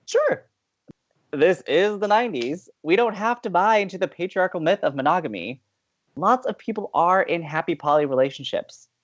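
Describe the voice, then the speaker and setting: A very animated, upbeat radio co-host. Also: female voice, on the low side, normal speed, dull audio. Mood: breezy, encouraging. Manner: playful, emphatic, animated. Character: upbeat, teasing, hopelessly romantic college radio advice co-host. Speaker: actor in a romantic comedy podcast. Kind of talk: audio drama acting as casual radio banter.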